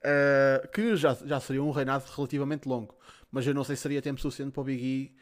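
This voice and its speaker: A man's voice: medium pitch, fairly even intonation, fast. A man with a European Portuguese accent, hosting a podcast and reading out listener questions in casual, slangy talk with some swearing. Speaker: podcast host.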